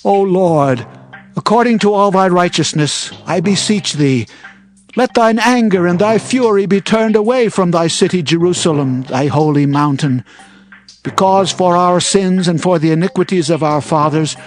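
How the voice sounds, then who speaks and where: Casting: male actor as humble, devout prophet for scripture audio drama, fairly high male voice, earnest and declamatory, music underneath. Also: moderate pace, close to an everyday voice. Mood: penitent pleading. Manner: earnest, solemn, declamatory pleading.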